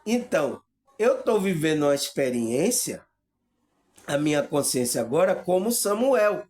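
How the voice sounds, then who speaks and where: A man with a Bahian Brazilian accent gives a spiritual teaching monologue to his viewers, often pausing on hesitant fillers and checking whether they understand. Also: fairly high pitch, sing-song, darkish tone. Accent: Bahian Brazilian Portuguese. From Salvador, Bahia, Brazil. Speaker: spiritual video host.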